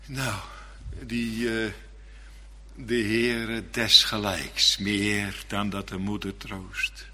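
Slow husky gravelly preacher. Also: male voice, lowish voice, level tone, sharp tone. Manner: slow, earnest, repetitive. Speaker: minister. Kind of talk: Reformed sermon. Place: church. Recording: long church reverb.

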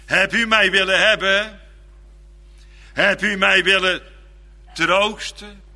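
Male preacher, sermon, high voice, very bright tone, slow fervent phrasing, long hall reverb. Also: steady tone.

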